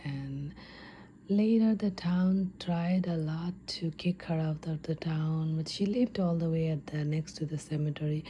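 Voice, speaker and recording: A woman whispering in a breathy, unvoiced ASMR storytelling style, hesitant and unscripted with drawn-out pauses. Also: sits low, dark tone, a little hiss or hum. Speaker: host of an ASMR storytelling channel.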